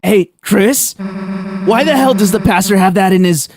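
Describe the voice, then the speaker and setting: A man voicing a brash, rough-talking monster girl from a game, blunt and swearing. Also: medium pitch, big pitch swings, darkish tone, faint music behind, voice pushed up, exaggerated voice. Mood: gruff, puzzled. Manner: blunt, swears, slow gruff delivery. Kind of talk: voicing game dialogue on stream.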